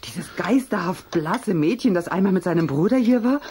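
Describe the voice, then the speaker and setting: A reproachful middle-aged mum played by a woman in a children's audio drama. Concerned and pointed, the voice rises and falls a lot over clear noise and dishes. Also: lowish voice, animated, moderate pace, lightly acted. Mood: sceptical, reproachful.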